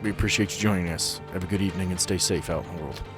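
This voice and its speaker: Low-voiced man hosting a game podcast. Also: steady tone, racing, over music. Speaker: game master and podcast host. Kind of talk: casual tabletop game podcast talk.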